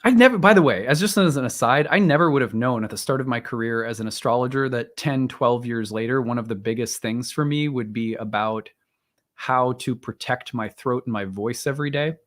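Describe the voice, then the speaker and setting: Man, 30s to 40s, livestream host, strained tiring voice, rambling with fillers, clears throat, mid pitch. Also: a little fast, a bit bright. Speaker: astrologer, live stream host. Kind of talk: casual livestream talk and chart reading.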